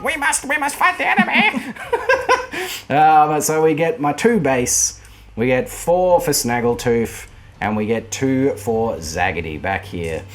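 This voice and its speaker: An excitable man commentates his tabletop wargame in casual chat. His pitch moves a lot, leaping up at each surprise. He laughs often and talks to his opponent as he plays. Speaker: wargame player and channel host.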